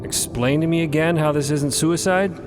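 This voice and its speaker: A man's voice: fairly high pitch, fairly even intonation, normal speed, background noise, natural voice. A man voicing a stern, cautious female ship's doctor in an audio drama, arguing in precise, formal terms. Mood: skeptical, exasperated.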